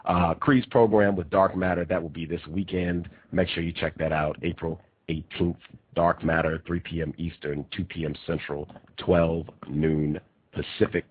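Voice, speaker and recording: A very low-voiced male radio host, nasal and congested from a cold, hammers his points home with repetition. His voice is husky and dry. It comes through a thin, phone-like line. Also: fairly even intonation, moderate pace, dry recording. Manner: emphatic, repeats key phrases. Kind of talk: talk radio monologue. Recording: tinny phone-line quality.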